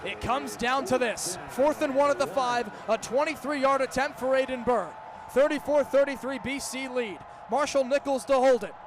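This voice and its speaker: High-pitched young American football announcer. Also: male voice, normal speed. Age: young adult. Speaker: sports play-by-play announcer. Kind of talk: live football play-by-play commentary. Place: stadium football broadcast.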